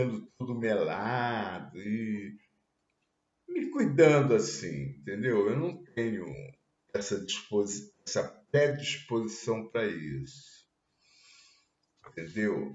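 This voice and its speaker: Very slow and broken by long, frequent pauses, a man's speech moves through very wide pitch swings. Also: medium pitch for a man. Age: 70s. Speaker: spiritist study leader. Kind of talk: religious study talk. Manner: casual, conversational.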